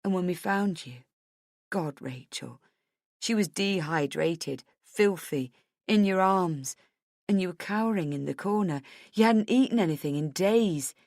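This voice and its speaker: A woman voicing a frightened, tearful husband in an audiobook, gentle and pleading, with a hesitant delivery. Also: fairly low pitch, animated, a little slow, dry recording, clean studio sound. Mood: anguished. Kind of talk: dramatic audiobook character dialogue.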